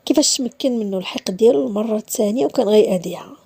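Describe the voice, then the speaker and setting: A woman's voice: on the high side, very fast, creaky, warm tone, husky, no echo. A woman with a Moroccan accent narrating a dramatic story, dipping into whispers at tense moments.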